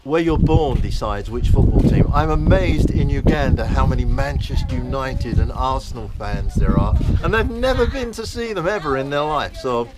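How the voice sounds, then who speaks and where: A man with a London accent, an actor answering interview questions in a measured way with soft fillers. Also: medium pitch, animated, heavy background noise. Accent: London English. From England. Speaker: guest actor and presenter. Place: film set in Uganda. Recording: crowd chatter behind.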